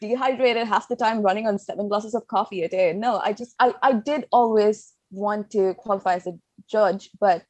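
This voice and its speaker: A woman's voice: mid-range voice, normal speed, a little mellow, no echo. A young woman, a law student guest, talking in a blunt, outspoken way and swearing freely in casual podcast chat. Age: young adult.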